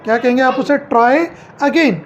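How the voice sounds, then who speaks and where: A woman's voice: sits high, a little slow, muffled recording, a little hiss or hum. A middle-aged woman at home teaching English phrases, asking each one back as a question and then answering it.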